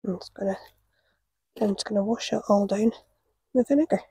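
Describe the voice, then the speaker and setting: A gardening vlogger in her forties chats casually to camera while working on an outdoor allotment, telling stories and laughing at her own tales. Her medium-pitched voice is mellow and husky, fairly quick, with no room sound. The camera sits on the ground a few metres away.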